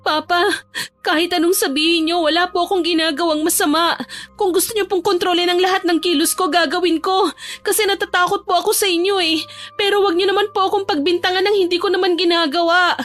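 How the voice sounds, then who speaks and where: Woman doing a pleading teenage daughter, high and shaky. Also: fairly even intonation, a little fast, fairly bright tone. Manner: tearful, pleading, respectful. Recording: faint music behind.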